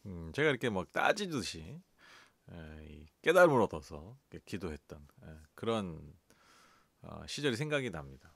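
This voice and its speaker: A middle-aged man preaching a sermon as pastor, conversational and lively, asking his listeners rhetorical questions. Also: deep voice, moderate pace, gravelly, no echo. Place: church.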